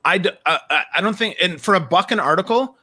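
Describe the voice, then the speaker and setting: A man co-hosting a casual live-streamed talk show over a video call, blunt and full of quick asides. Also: high voice, lively intonation, bright, forceful tone, slightly rough. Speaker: co-host.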